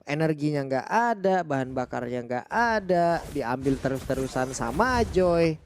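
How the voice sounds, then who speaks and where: An Indonesian man with a high voice commentates an esports match. His announcer delivery is colloquial, playful and exclamatory. Some ambient noise sits behind him. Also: lively intonation, a little slow. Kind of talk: lively, joking game commentary in announcer manner.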